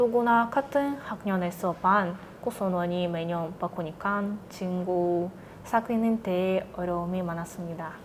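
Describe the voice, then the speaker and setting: A woman speaks very slowly with a Russian accent. Her pitch is medium, with ordinary variation. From Kazakhstan. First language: Russian (speaking Korean). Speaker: university student. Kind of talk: interview. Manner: formal.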